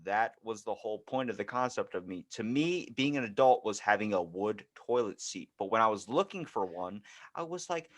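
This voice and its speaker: Low-voiced man rambling crudely on a podcast. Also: animated, moderate pace. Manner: crude, profane, rambling anecdote-teller. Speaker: podcast host. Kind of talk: casual comedic podcast chat.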